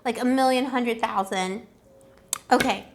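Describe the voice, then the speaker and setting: A woman's voice: on the high side, a little slow. A woman chatting casually through a love tarot reading as host, playful and rambling with affectionate pet names, her voice slightly strained as if she is losing it. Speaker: tarot reader and channel host.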